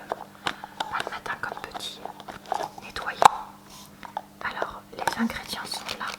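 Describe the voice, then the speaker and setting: A woman speaking in a soft, breathy whisper, presenting products in an unhurried ASMR unboxing style with hesitant asides. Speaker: ASMR video creator showing purchases. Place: at home.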